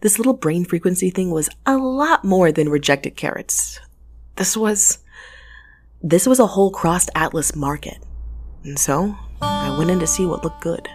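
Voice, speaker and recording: An actress playing a wry, restless space mail courier in an audio drama, muttering and sardonic with a conversational delivery. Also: female voice, on the low side, lively intonation, a little slow, over music. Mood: wry, confiding. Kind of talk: audio drama acting with first-person narration.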